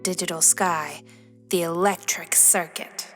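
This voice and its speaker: A woman's voice: on the low side, fairly even intonation, measured pace, soft background music. A woman narrator reading scripted scene descriptions for an audio drama. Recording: clear background noise and ambience.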